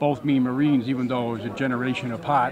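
Noticeable background noise runs under the clip. A man speaks with ordinary pitch variation. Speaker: friend of the deceased. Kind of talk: memorial tribute. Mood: warm, reminiscent. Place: hall. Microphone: studio mic.

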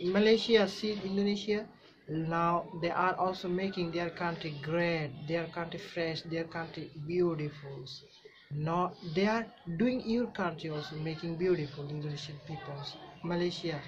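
The speaker has a Bengali accent and an ordinary amount of pitch variation at a fairly slow pace. Music plays in the background. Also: woman, fairly low pitch for a woman. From Bangladesh. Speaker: YouTube reaction vlogger. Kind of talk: video reaction commentary. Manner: animated.

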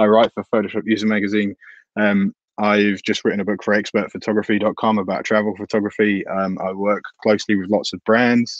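Against a quiet background, a man speaks at a fairly low pitch in a dry sound with no echo. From UK. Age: 30s. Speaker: travel photographer. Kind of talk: live-stream interview. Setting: video call live stream. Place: home room. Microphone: earbuds.

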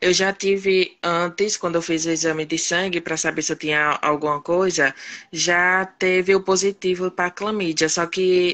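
Her pitch is fairly low for a woman. She talks at a fairly slow pace with fairly even intonation. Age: 20s. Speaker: viewer asking a medical question. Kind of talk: live Q&A. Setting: Instagram live stream. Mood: worried, explaining. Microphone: video call.

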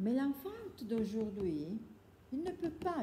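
A high-pitched woman with an Italian accent, her pitch swinging very widely, over light background noise. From Italy. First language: Italian (speaking French). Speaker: psychoanalyst and author; conference speaker, psychoanalyst. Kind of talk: lecture. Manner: halting. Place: meeting room. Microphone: phone near.

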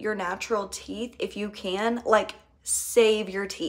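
The background stays quiet. A woman talks at a fairly slow pace. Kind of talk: casual vlog chat. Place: bathroom. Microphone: phone near.

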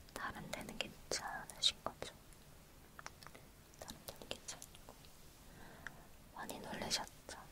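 A woman whispers, soft-spoken. Her pace is very slow. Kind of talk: roleplay talk to the viewer. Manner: soft, caring near-whisper. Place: home room.

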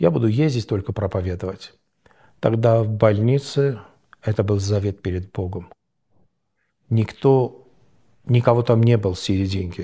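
Over a quiet background, a man speaks at a fairly slow pace with long, frequent pauses, his fairly low, somewhat breathy voice having a dark, mellow tone and ordinary pitch variation. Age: 50s. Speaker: pastor. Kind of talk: interview. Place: studio. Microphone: lapel.

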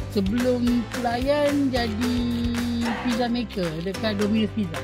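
A man with a Perak accent talks at a fairly slow pace over loud background music, his voice dry and without echo. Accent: Perak Malay dialect. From Perak, Malaysia. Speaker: interviewee. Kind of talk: interview answer. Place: open country. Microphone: phone near.

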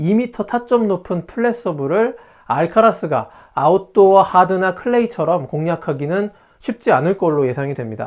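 The man talks at a moderate pace in a high voice, the background quiet. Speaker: tennis commentator / YouTuber; tennis commentator. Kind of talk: solo analysis monologue. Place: office. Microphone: lapel.

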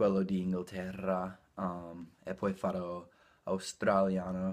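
Over a quiet background, a man with a very deep, low pitch speaks in an American accent at a fairly slow pace. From United States. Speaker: video creator explaining accents. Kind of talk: casual vlog chat. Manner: casual, playful. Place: home room. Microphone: webcam.

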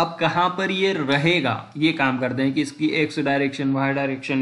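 In a normal speaking voice, a man with a fairly high pitch talks at a moderate pace. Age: 20s. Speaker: programming tutor. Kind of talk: coding tutorial. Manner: casual.

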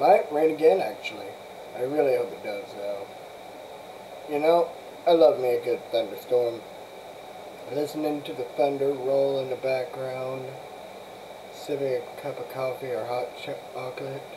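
Noticeable background noise sits behind a man speaking at a moderate pace, with long, frequent pauses. His loudness swings widely. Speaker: vlogger. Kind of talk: casual vlog chat. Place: home room. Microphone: webcam.

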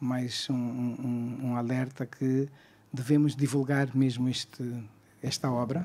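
Monotone, flat intonation comes through a dark, mellow tone. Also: man. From Angola. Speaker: embassy cultural attaché; audience member commenting. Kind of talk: formal remarks at book launch. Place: hall.

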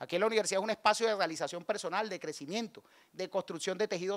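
A man rattles off his words at a very fast pace, with a quiet background behind him. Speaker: university rector. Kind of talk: speech to faculty. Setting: auditorium with audience. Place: hall. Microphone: podium.

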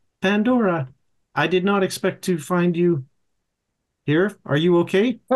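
This man uses a put-on, robotic character voice pitched high. He talks at a moderate pace. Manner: flat, mechanical.

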